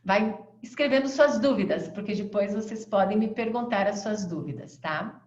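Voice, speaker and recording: A woman with a Brazilian accent teaching an online class, acting out fast, slow and melodic ways of speaking as examples. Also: a little mellow. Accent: Brazilian Portuguese. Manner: demonstrates voice tones, shifting pace and pitch. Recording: echoey, dull lo-fi sound.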